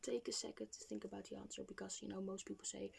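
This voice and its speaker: Female ASMR therapist role: breathy whisper, heavy vocal fry, soothing hesitant questioning, faint background noise. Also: medium pitch, flat delivery, fast talker, darkish tone. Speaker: ASMR roleplayer playing a therapist.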